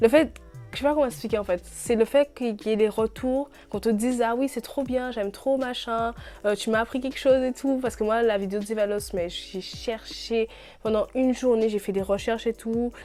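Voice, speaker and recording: Dark, mellow tone from a woman pitched fairly high. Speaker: YouTuber. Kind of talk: casual chat. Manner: fast; animated.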